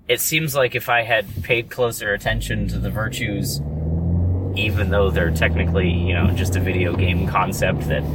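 A man in his thirties talking through a reflective personal monologue, halting, with frequent restarts. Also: low voice. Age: 30s. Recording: distant mic with loud traffic noise.

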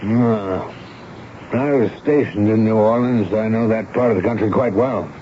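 A man's voice: lowish voice, measured pace, natural voice. A man acting a stern, authoritative army major who questions in a commanding, clipped way in a 1970s radio drama. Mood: probing. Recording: dull, noisy vintage radio broadcast.

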